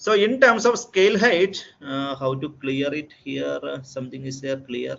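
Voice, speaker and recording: Intonation is lively at a fairly slow pace. Loudness swings widely. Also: man, fairly high pitch for a man. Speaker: scientist lecturer. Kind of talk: lecture. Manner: slow, deliberate.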